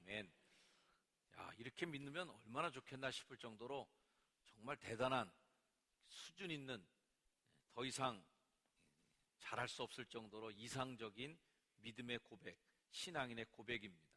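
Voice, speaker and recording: A man preaching a Sunday sermon as pastor of a church, lively and at times acting out angry cries to God. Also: medium pitch, moderate pace, pauses often. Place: church sanctuary. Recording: long reverb of a church sanctuary.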